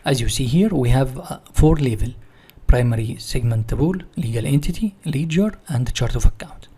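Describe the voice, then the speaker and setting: A man with a mellow, somewhat husky voice walks through software setup as an instructor. He is a non-native English speaker with a didactic manner, often asking a question and then answering it himself. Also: medium pitch, animated, normal speed. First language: not English. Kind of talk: screen-share software walkthrough, part read from notes.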